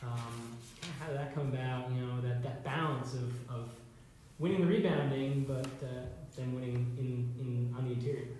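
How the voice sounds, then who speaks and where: A man asking post-game questions in a measured way, quoting stats. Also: medium pitch, fairly even intonation, warm tone. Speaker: interviewer. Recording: echoey room, faint hiss.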